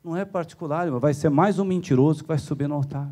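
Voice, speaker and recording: A man with a Brazilian Portuguese accent preaching a sermon in a church, telling stories with chuckles and voice jumping high when excited. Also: rapid-fire. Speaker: pastor.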